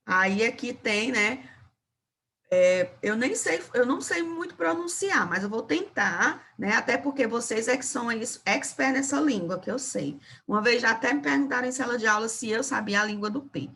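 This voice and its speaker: A woman teacher giving a remote lesson to young children, speaking slowly and encouragingly. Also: on the high side, expressive, vocal fry, a bit bright. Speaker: primary school teacher.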